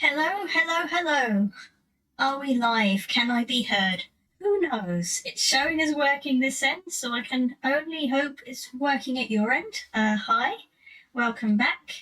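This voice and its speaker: A woman with a British accent uses a raised, projected voice at a high pitch, with very wide pitch swings and a fairly slow pace. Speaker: streamer opening trading cards. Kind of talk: casual live-stream chat. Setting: live stream.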